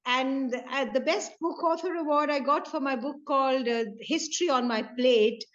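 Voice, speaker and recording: A woman's voice: high-pitched, moderate pace. A middle-aged woman from north India with an Indian English accent, a Punjabi native speaker, chatting as a poet guest with many fillers and light laughs. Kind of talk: casual video-call chat. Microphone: video call. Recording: dull lo-fi call audio.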